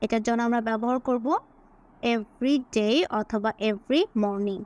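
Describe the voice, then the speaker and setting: A woman with a Bengali accent teaching English, slowly dictating phrases word by word and explaining them, asking herself questions and answering them. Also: on the high side, fairly even intonation, darkish tone. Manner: asks and answers her own questions. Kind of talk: slow dictation-style English lesson.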